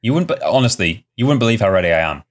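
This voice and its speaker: A man with a very low voice, co-hosting a comedy podcast. He delivers his lines in a wry, deadpan manner and keeps his remarks short in casual banter. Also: very fast. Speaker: podcast co-host.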